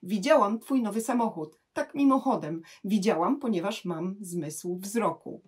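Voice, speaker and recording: A woman with a slightly husky voice explains grammar to learners. She speaks patiently and slows down to say each English example clearly. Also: medium pitch, darkish tone. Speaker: English teacher.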